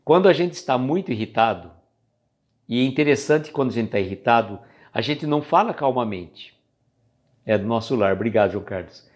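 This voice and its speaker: A man with a Brazilian Portuguese accent speaks in a casual spiritual reflection, talking to live-stream viewers. His pitch sits in an ordinary middle range. He is chatty and conversational and sometimes loses his thread. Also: animated, fairly quick, dull audio.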